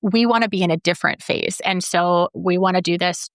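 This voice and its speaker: Slightly raspy woman, lowish, chatty. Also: fairly even intonation, fairly quick, no room sound, studio quality. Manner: chatty, rambling, swears freely. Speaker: podcast host and personal trainer. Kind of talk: casual solo podcast talk.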